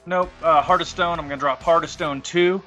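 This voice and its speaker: A man playing a tabletop game, talking casually and haltingly as he thinks aloud. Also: a little high, steady tone, a bit bright, highs cut off, faint music behind.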